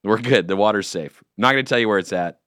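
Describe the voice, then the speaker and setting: A man hosting a morning radio show, chatting in a jokey, rambling, animated way in a studio. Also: fairly low pitch, quick pace, dry recording. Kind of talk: casual morning radio banter. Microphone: studio microphone.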